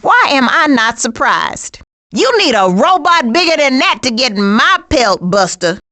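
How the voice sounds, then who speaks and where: A sassy female cartoon skunk for a video game, with an American accent. The voice sits high and moves in lively, animated swings. The delivery is cranky, folksy and dry-witted, full of streetwise sarcasm. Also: a little slow, full character voice. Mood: sassy, deadpan.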